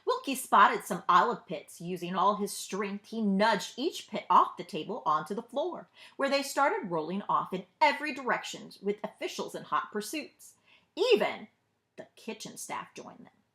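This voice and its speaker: A woman narrating a children's story as a librarian, expressively, pausing to put questions to young listeners. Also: mid-range voice, big pitch swings, pushed and bright. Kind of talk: children's read-aloud narration.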